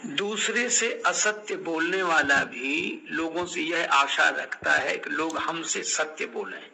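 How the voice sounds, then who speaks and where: A man's voice: a little high, takes it slowly, creaky, bright, forceful tone, a little hiss or hum, low-quality recording. An older man giving a devotional sermon, telling scripture stories, acting out quoted dialogue and breaking into chanted verse. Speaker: Ram Katha preacher.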